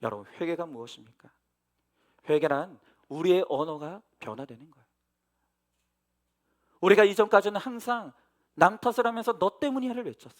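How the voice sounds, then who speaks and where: A middle-aged man preaching a sermon as pastor, earnest, swinging between loud emphasis and hushed, near-whispered passages. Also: sits high, normal speed, long pauses.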